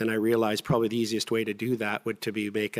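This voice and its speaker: A man speaks in a Canadian accent with a fairly low pitch. His intonation is monotone and flat. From Ontario, Canada. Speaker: lawyer, inquiry witness. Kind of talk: sworn testimony. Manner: formal.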